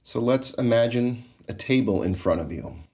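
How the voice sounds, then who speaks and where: A man leading a guided Christian meditation in a calm, soothing, measured way. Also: mid-range voice.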